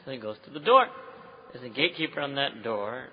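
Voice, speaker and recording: A man with a South Asian accent preaching to a live audience as an animated storyteller, often checking in with listeners. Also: mid-range voice, brisk, a little hiss or hum. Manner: animated storyteller, switching languages, with rhetorical check-ins. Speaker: Muslim preacher. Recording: echoey hall, dull muffled sound.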